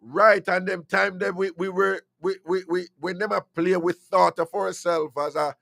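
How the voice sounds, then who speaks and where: Jamaican radio host, fairly high voice. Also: male voice, steady tone, moderate pace, vocal fry, a bit bright, no echo, clean studio sound. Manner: opinionated, drifts into patois. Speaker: radio talk show host. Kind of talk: call-in radio talk.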